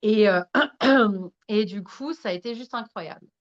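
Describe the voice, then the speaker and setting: A woman at a middle pitch tells her story as a podcast guest, in a frank and earthy way. She swears casually, laughs at herself and keeps turning to the listeners. The recording sounds a little dull and lo-fi. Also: unhurried. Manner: animated, addresses listeners directly. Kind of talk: candid storytelling in conversation.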